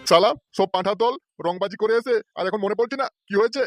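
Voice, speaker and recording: A man's voice: sits high, fast talker, faint music behind, natural voice. A man voicing an irate, blustering village man in a comedy cartoon, with a scolding, agitated manner. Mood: furious. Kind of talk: Bengali comedy cartoon dubbing.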